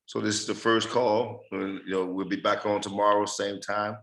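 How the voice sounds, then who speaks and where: A man's voice: lowish voice, little pitch movement, moderate pace, fairly bright tone, rough recording. A man losing his voice, giving a rambling casual update to a team on a group call. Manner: rambling, repeats phrases. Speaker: project leader giving updates.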